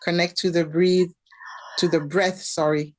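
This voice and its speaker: Slow, low-voiced woman. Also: level tone. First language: French. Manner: gentle, hesitant, with many fillers. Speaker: guest elder. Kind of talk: online broadcast talk, offering blessings. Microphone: video call.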